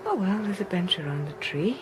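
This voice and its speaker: A woman's voice: on the low side, expressive, brisk, background noise, lightly acted. Genteel, brittle actress as a lady, swooping intonation. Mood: dreamy, eerie. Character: lady of the house, genteel, lonely, brittle and insistent. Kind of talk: BBC radio horror play acting.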